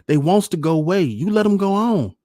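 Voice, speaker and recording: A man's voice: lowish voice, moderate pace, darkish tone, no echo, studio quality, pitched above the performer's own voice. A man voicing a small, dreamy, easily upset boy with a rural Southern accent in a storybook reading. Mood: scolding, upset. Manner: pleading, childlike dialect speech.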